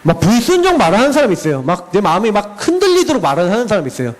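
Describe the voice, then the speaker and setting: Male pastor preaching to teens, really high voice, swoops all over, laughs a lot. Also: racing, poor audio. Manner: animated, lively storytelling with laughs. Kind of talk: sermon to a youth group.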